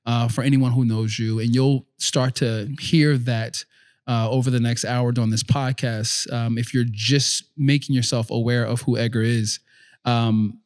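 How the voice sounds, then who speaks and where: A man hosting a podcast, asking questions in a casual, friendly way and rephrasing what his guest says. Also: medium pitch. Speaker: podcast host. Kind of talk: casual interview chat.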